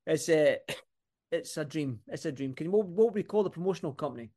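High-pitched Scottish man chatting. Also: expressive, fairly quick, dark tone. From Scotland. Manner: rambling, repeats phrases for emphasis. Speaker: boxing podcast co-host. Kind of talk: casual sports chat.

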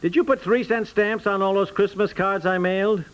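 An actor playing a flustered, exasperated suburban husband who sputters and repeats himself, in 1950s radio comedy style. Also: male voice, high voice, moderate pace, dull audio, natural voice. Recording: vintage 1950s radio recording.

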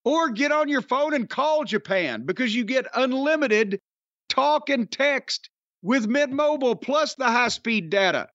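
A man's voice: very high-pitched, expressive, a little slow, a bit bright, no room sound. An older man with a Southern American accent hosting a podcast, rambling, profane and sarcastic in casual chat and a comic ad read. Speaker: podcast host. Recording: dry, slightly dull audio.

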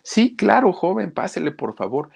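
A man's voice: sing-song, normal speed, gravelly, a little mellow, slightly rough, full character voice. A man voicing a friendly young woman receptionist of about thirty, with a Mexican accent and a sweet, coaxing way of talking. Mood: polite. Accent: Mexican Spanish. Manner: sweet, high-pitched, coaxing.

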